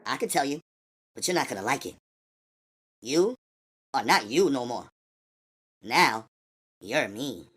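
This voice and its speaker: A man voicing a weary, mysterious woman with angelic powers, speaking calmly and knowingly. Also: a little slow, long pauses, breathy edge. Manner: calm, knowing, low-key. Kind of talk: audiobook character voice.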